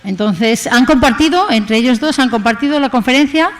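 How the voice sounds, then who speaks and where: A woman's voice: fairly high pitch, animated, normal speed, a little hiss or hum. A woman hosting a conference opening, introducing the guest speaker in a chatty, rambling way. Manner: chatty, rambling, tag questions. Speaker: association host introducing the speaker. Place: conference hall.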